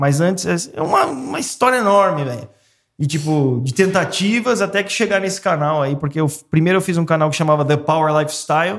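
A man speaks in an ordinary speaking voice, fairly high in pitch for a man. His intonation is lively and his pace fairly quick. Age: 20s. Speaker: street missionary. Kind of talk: casual chat.

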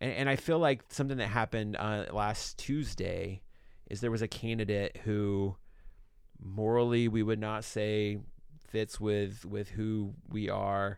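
In a very clean recording with a silent background, a normal speaking voice moves at a fairly slow pace with fairly even intonation. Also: man, fairly low pitch for a man. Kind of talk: casual conversational discussion. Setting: studio.

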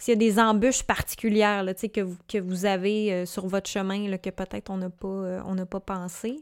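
On a very clean recording with a silent background and a dry, close sound with no echo, a woman of medium pitch speaks at a moderate pace in a monotone, flat intonation with hardly any pauses. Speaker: podcast co-host. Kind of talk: casual chat.

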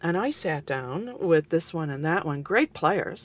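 A woman with an American accent talks at a moderate pace, fairly low in pitch with lively intonation. It is an ordinary speaking voice. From Chicago, South Side. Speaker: Irish fiddler. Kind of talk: casual chat.

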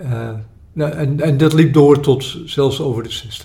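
Somewhat breathy, this man's voice has a dark, mellow tone and a fairly high pitch with ordinary variation. Audible room echo is present. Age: 60s. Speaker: shepherd, retired municipal executive. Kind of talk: interview. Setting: at home in living room.

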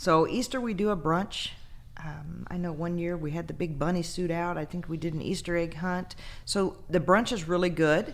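A woman's fairly low voice with an American accent, at a moderate pace with ordinary pitch variation, in audible room echo. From Texas. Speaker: hotel executive chef. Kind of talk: interview.

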